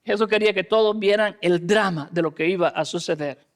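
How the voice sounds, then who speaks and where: High-voiced pastor preaching with drama. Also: male voice, brisk. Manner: dramatic, moves between loud emphasis and hushed lines; acts out the voices of the people in the text. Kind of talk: sermon.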